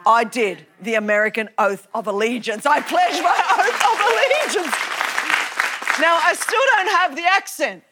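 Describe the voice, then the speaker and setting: A middle-aged woman with an Australian accent, delivering a sermon as animated storytelling and laughing often. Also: high voice, measured pace, a loud crowd, very noisy. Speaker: preacher.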